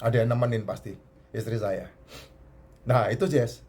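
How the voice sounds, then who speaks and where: A man's voice: mid-range voice, steady tone, moderate pace, darkish tone, husky. A middle-aged man with a stuffy, nasal voice, giving health advice in a casual talk, often repeating himself. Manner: chatty, repeats points, restarts words.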